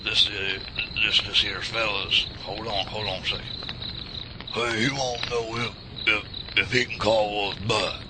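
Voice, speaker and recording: Man doing a low-voiced folksy old backwoodsman. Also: steady tone, a little slow. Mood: grumbling. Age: older. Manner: folksy drawl, old-timer slang. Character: older rural backwoods man Mister Jessup. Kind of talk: amateur radio drama. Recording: loud outdoor noise, crickets.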